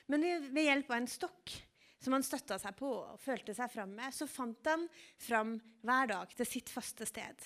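A woman preaching, telling a Bible story in a calm, vivid storytelling manner. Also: on the high side. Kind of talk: storytelling sermon.

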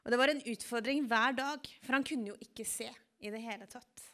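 A woman preaching, telling a Bible story in a calm, vivid storytelling manner. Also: fairly high pitch. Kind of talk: storytelling sermon.

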